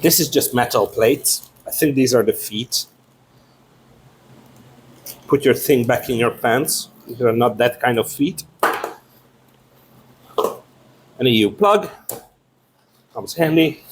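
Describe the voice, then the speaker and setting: A man's voice: mid-range voice, takes it slowly, pauses often, slight background noise. A man chatting casually and unscripted as he unboxes a product, with playful, sweary asides.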